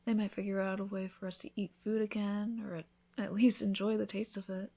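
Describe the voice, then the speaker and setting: A woman playing a devoted newlywed vampire wife in an intimate ASMR roleplay, speaking softly, often in a whisper, with an affectionate, reassuring manner. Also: medium pitch, little pitch movement, a little fast, close to an everyday voice. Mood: hopeful, tender. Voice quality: soft, breathy, often whispered.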